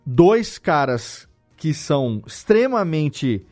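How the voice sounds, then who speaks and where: A man's voice: on the high side, big pitch swings, slow, darkish tone, faint music behind. A Brazilian man hosting a conversational podcast interview, speaking in an emphatic, colloquial way. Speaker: podcast host.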